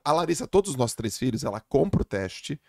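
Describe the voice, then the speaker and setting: A man in his forties hosting a podcast, telling a story in an animated way with bursts of loud laughter. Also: medium pitch, fast, vocal fry, no echo, studio quality. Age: 40s. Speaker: podcast host. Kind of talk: casual chat.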